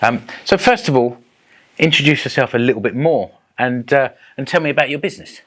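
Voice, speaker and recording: A man's voice: medium pitch, expressive, brisk, a bit bright. A man hosting a podcast interview, introducing his guest and asking questions in a friendly, conversational way. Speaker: podcast host.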